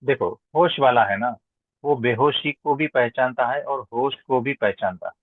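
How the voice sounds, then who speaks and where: A man's voice: medium pitch, normal speed. A man speaking as a spiritual teacher in an informal question-and-answer discourse, didactic, with emphatic repetition and rhetorical questions. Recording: roomy echo, thin phone-like sound.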